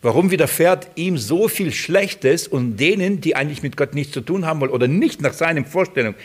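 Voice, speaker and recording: A man's voice: a little high, expressive, brisk, husky. A man giving a sermon, emphatic and repeating phrases for stress. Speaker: preacher.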